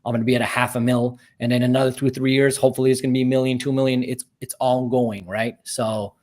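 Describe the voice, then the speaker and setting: A man's voice: medium pitch, little pitch movement, fast talker, darkish tone. A man from Canada with an Armenian heritage, a podcast guest talking enthusiastically, repeating words and tagging lines with "right?". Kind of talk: casual interview talk.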